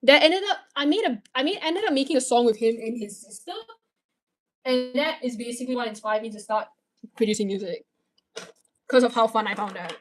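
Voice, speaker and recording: A teenage woman from Malaysia chats on her stream, her voice sitting a bit high. She rambles through viewer questions, restarting her sentences and swearing casually. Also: a little fast, faint music behind.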